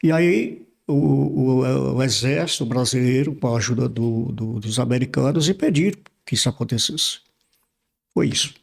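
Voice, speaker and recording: An older pastor from Brazil, recounting his past in a relaxed podcast conversation. His voice has a gravelly edge at middle pitch, and he often stops to repeat a word before going on. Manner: halting, repeats words while recalling. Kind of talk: casual interview storytelling.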